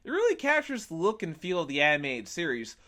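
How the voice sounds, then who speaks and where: A man with a high, very animated voice narrates a scripted video game review. He is opinionated and drops in wry, sarcastic asides. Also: quick pace.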